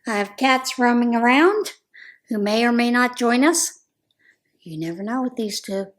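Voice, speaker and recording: A hoarse American woman chatting casually in a crochet vlog, rambling a little with frequent ums. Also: a little high, lively intonation, a little slow. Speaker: crochet vlogger. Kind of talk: casual chat.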